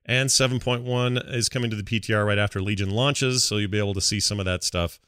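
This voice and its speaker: A man's voice: lowish voice, steady tone, fast, a bit bright, smooth, no room sound, clean studio sound. A man hosting a gaming podcast, talking casually and rambling through informal asides. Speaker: podcast host.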